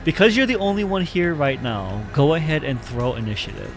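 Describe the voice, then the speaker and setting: Lively, halting male game master. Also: a little high. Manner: halting, filler-heavy narration. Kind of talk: narrating an online tabletop game.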